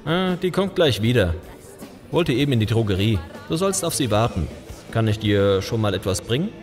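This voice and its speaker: An actor playing a flirty, easygoing café barkeeper in an audio drama. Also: male voice, medium pitch, big pitch swings, moderate pace, faint music behind, lightly acted. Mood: friendly, flirty.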